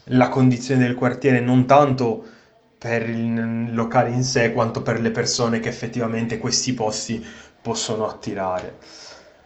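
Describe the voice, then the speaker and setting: A man's medium-pitched voice with monotone, flat intonation, noticeable background noise and audible room echo. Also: moderate pace. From Italy, Turin. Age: 20s. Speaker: neighborhood resident. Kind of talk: personal testimony.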